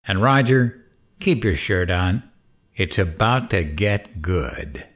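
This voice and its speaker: A deep, slow, theatrical vengeful radio host. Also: male voice, lively intonation. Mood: mocking, angry. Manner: theatrical, taunting, deliberate. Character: mad, vengeful, grieving male late-night radio host. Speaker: radio show host character. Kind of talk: dramatic audio drama acting and narration.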